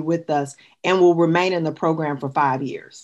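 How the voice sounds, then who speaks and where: A woman with an American accent, an ordinary speaking voice, fairly low pitch and a moderate pace, over a quiet background. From Texas, Fort Worth. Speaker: nonprofit youth leadership director. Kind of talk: interview conversation.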